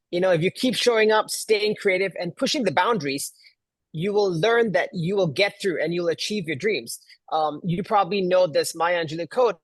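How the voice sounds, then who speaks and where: A man's voice: high-pitched, a bit bright, no room sound. A middle-aged man from Malaysia, a guest event planner, talking casually with many ums and restarts. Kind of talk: casual interview talk.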